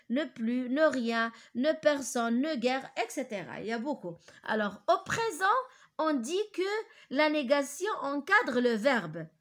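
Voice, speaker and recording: Hesitant woman teaching grammar. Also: fairly high pitch. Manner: hesitant, many fillers and restarts; repeats key words slowly for dictation. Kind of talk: grammar lesson for pupils.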